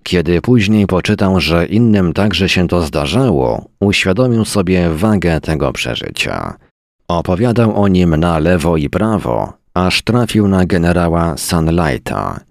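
A man's voice: low voice, very animated, unhurried, gravelly, no room sound, clean studio sound, full character voice. A man voicing a sardonic, hard-drinking male professor who talks in mocking, long-winded turns. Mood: storytelling.

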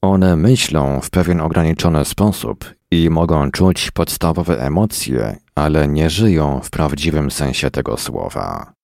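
A man reading the lines of a cruel, childlike fiery alien being in a silky, slow, toying voice. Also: a bass voice, expressive, vocal fry, darkish tone, no echo, studio quality, exaggerated voice.

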